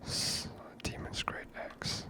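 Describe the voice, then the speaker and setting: Whispering man, ASMR game commentary. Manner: unhurried, murmured thinking aloud. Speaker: ASMR gaming host.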